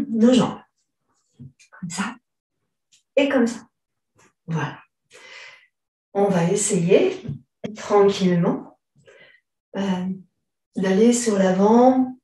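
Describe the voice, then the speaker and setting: Female yoga teacher, unhurried gentle cues, mellow tone, heavy room echo, mic set far away. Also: medium pitch. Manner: slow, calm, gentle cues with frequent throat clearing. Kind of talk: guided stretching class instructions. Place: large room during an online class.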